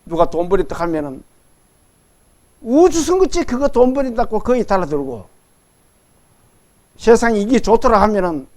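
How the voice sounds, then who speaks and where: A man's voice: high voice, darkish tone. A middle-aged man preaching a sermon as pastor, leading his congregation through Bible readings.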